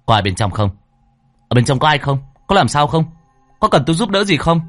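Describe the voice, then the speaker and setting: A man's voice: mid-range voice, lively intonation, soft background music, voice pushed up, close to an everyday voice. A man voicing an anxious young village man calling urgently for help at a door. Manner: urgent, hurried.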